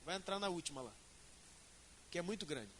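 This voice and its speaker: Bright, high-voiced preaching pastor. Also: male voice, expressive, fairly quick, slightly rough. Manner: emphatic preaching, asks the congregation questions. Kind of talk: sermon. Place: church.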